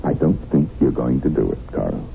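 Very deep, gravelly, wry captive tycoon. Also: male voice, expressive, normal speed, full character voice. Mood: wry, goading. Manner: sardonic, reflective. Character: wry kidnapped tycoon, middle-aged man, worldly and defiant. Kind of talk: radio drama acting. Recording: narrow-band, noisy old radio broadcast.

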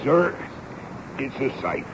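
An actor playing a gruff, folksy army sergeant in a 1970s radio drama, speaking ungrammatically and respectfully to his superior. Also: medium pitch, very animated, takes it slowly. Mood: exasperated. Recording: dull, noisy old radio broadcast recording.

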